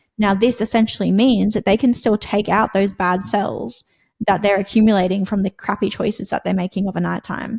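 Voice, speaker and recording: Talking at a fairly quick pace, a woman with an Australian accent speaks with vocal fry. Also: medium pitch for a woman, fairly even intonation, very clean recording, silent background. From Australia, southeast Queensland. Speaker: quantum biology health coach. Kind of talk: podcast interview. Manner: casual, many fillers.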